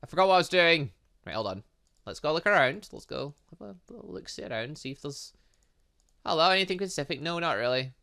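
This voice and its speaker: A man giving excitable, rambling commentary as he plays through a game, often thinking aloud. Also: on the high side, fast, vocal fry, smooth. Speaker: gaming channel host.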